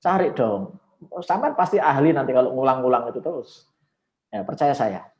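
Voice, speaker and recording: A man coaching public speaking on a video call, with lively swings of intonation and frequent exclamations. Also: mid-range voice, normal speed, lo-fi sound. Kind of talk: coaching session with live speech demos. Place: online video call session.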